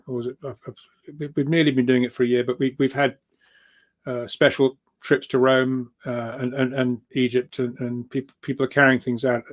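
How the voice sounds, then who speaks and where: Male interview guest, mid-pitched, informal, with halting delivery and frequent repeated word starts. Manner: halting, stammers and repeats words. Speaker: guest speaker, grid researcher.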